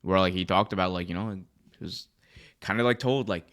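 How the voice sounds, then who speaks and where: A man with a low, slightly bright voice talks briskly while hosting a casual wrestling news discussion show. His talk is loose and peppered with "like" and "you know."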